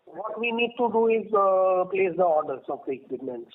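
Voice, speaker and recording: A man's voice: sits high, lively intonation, moderate pace. A man with an Indian accent answering questions as a company executive on an earnings call, speaking emphatically and repeating himself for stress. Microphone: telephone. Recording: muffled narrowband phone conference line.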